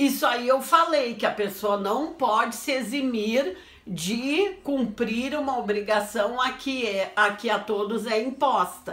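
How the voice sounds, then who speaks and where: In a room with audible echo, a woman speaks very slowly at a high pitch with lively intonation. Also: hardly any pauses. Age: 60s. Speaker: law teacher. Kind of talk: lecture. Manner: casual, conversational.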